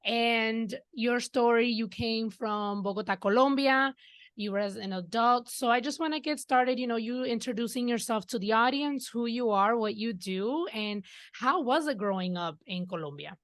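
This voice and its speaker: A woman hosting a podcast interview over a video call on a headset microphone, chatty with quick asides. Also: on the high side, dry recording. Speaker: podcast host.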